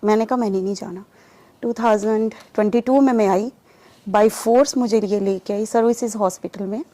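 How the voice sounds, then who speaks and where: A woman giving a personal testimony in an interview, telling her story in a lively way and acting out the remembered dialogue. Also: mid-range voice, normal speed, no room sound. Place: lives in Saudi Arabia.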